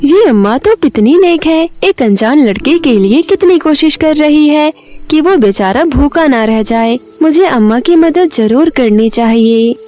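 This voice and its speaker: A woman's voice: high voice, animated, a little slow, mellow, voice pushed up. A woman voicing a kind young fairy in a children's story, sweet and eager to help. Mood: admiring.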